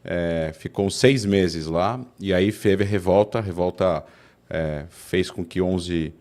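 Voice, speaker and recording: A man's voice: low voice, slow, a little mellow. A Brazilian man from São Paulo, a guest political scientist, telling his story in long explanations full of restarts and self-corrections. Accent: Brazilian Portuguese, São Paulo. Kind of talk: interview conversation.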